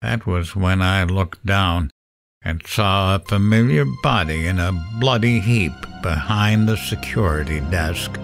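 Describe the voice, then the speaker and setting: A man's voice: low-pitched, a little slow, faint music behind. An actor playing a terrified middle-aged late-night radio host, narrating his horror ordeal in a dramatic first-person audio drama style. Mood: fearful, grim.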